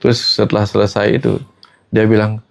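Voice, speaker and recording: Gravelly low-voiced man telling a story. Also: monotone, brisk. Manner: storytelling, repeats the host's name often; quotes people in the story. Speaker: spiritual teacher. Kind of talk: casual spiritual talk.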